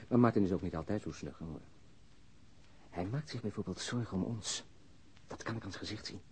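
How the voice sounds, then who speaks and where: An actor playing a weary, wry police detective and husband in a naturalistic radio drama, speaking in a laconic, dry, understated way. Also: male voice, low-pitched, brisk, darkish tone, breathy edge. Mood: pensive.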